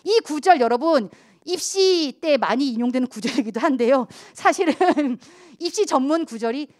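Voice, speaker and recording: Woman pastor, middle-aged, preaching to teens, high voice, very expressive. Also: moderate pace. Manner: animated, acts out quoted voices of children and church members. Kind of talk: youth sermon.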